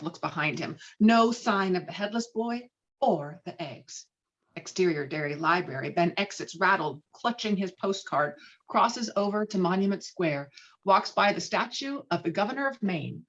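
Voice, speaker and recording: A woman's voice: fairly low pitch, lively intonation, normal speed, fairly bright tone. Dull-sounding woman narrating a script. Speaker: narrator reading stage directions. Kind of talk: scripted narration at a virtual table read. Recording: dull, lo-fi call audio.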